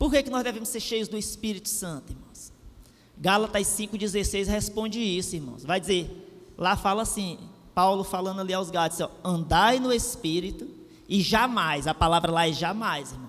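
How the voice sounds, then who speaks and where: This man's voice sits high in pitch, with ordinary variation and a moderate pace. Room echo is audible. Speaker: deacon preaching. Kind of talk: sermon.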